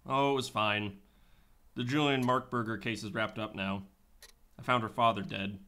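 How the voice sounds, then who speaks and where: Man acting as a bright-voiced, wry private detective. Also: lowish voice, steady tone, normal speed. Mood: offhand. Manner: dry, offhand, sardonic. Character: wry, laid-back male private detective in futuristic Boston. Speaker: actor in a radio play. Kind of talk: sci-fi radio drama acting.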